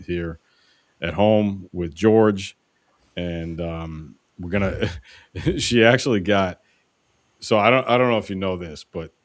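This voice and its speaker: A man with a very deep voice talks through a casual podcast chat. He rambles and swears, stacking "uh" and "you know" as he goes. His sound is close and dry. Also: dry recording. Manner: rambling, profane storyteller with many fillers. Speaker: podcast co-host.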